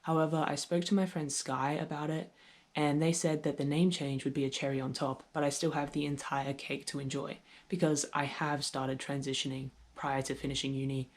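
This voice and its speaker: A young trans man vlogs at a moderate pace with little pitch movement, his voice just starting to deepen from testosterone early in transition. He's frank and reflective, with a gently humorous streak.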